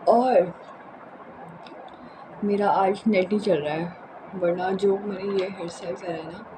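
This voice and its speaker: A young woman with a hoarse, sore throat chats casually and unscripted in a rambling home vlog, mixing in English words. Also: mid-range voice, measured pace, noisy background. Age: young adult. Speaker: vlogger. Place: indoors in a room at home.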